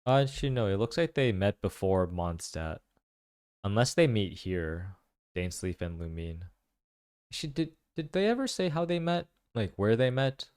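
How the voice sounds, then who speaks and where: A man giving casual reaction commentary, thinking aloud in halting phrases. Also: on the low side, very animated, darkish tone, clear, resonant tone, no echo. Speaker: video commentator.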